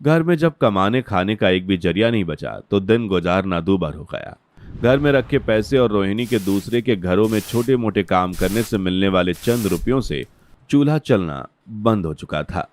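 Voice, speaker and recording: Male narrator for a cartoon story, steady, slightly low voice. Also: moderate pace, a little hiss or hum. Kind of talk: scripted narration.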